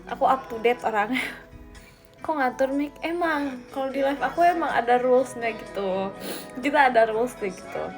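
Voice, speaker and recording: A woman's voice: sits high, normal speed, soft background music. A twenty-year-old woman on a casual live stream, reading out viewer comments and answering them in a playful, teasing way with a lot of giggling. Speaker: idol livestreamer.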